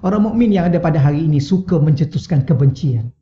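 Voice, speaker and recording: Malaysian ustaz lecturing with humor. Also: male voice, a little high, animated, fast talker, lo-fi sound. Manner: humorous, acts out little dialogues. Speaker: religious teacher. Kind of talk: mosque religious lecture. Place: mosque hall. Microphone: wireless lavalier.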